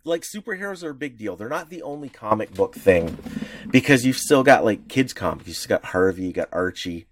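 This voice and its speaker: A man's voice: fairly low pitch, very animated, a little fast. A man co-hosting a podcast, chatting casually about comics history, rambling with lots of fillers and restarts. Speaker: podcast co-host.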